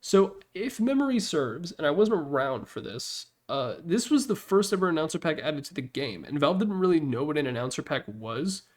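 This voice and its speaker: A man's voice: fairly high pitch, very animated, moderate pace, hardly any pauses. A man giving casual, rambling ranking commentary in a blunt, sweary, candid manner, recorded in his room on a desktop microphone. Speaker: host ranking game announcer packs. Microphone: Yeti desktop microphone.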